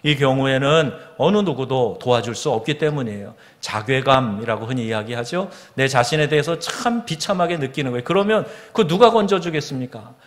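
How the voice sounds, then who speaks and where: A Korean man, a pastor, preaching a sermon in a church, asking the congregation questions and reading scripture slowly and solemnly. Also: mid-range voice. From South Korea. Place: church sanctuary. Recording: long hall reverb of a church.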